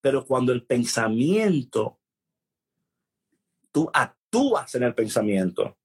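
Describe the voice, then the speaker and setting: A man co-hosting a casual Bible discussion, animated and full of restarts, mixing English phrases into his Spanish. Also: medium pitch, slow, slightly rough. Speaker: co-host of a Bible talk show.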